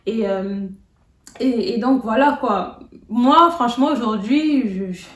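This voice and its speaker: A young adult woman giving casual advice in a vlog, chatty and full of fillers and restarts. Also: medium pitch. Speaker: video blogger. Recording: roomy, distant from the mic.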